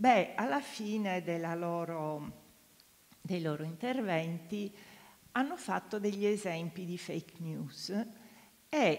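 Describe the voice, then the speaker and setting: Speaking at a very slow pace, a woman with a fairly low pitch uses lively intonation. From Sardinia, Cagliari. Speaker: university lecturer. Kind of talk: panel answer to student question. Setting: hall with live audience. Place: hall. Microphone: handheld.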